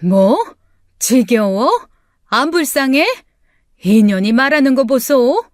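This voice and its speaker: A woman's voice: sits high, expressive, slow, dry recording, clean studio sound. A woman voicing a bitter, self-pitying middle-aged mother who scolds shrilly and snaps back sharply. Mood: indignant.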